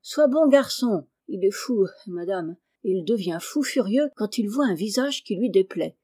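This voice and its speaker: Storybook gentleman, sly and soothing, read by a woman, warm low tone. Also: expressive, a little slow, husky, dry recording, clean studio sound. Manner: soothing, reassuring. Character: calm, scheming gentleman soothing a friend.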